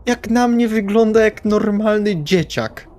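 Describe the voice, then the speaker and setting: A man's voice: high-pitched, unhurried, darkish tone, pitched above the performer's own voice. A man plays a fed-up, contemptuous vampire in a role-playing drama. His voice sits in an ordinary register. He speaks with sardonic exasperation, as if everyone around him is a burden. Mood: exasperated. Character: irritable, contemptuous male vampire driver.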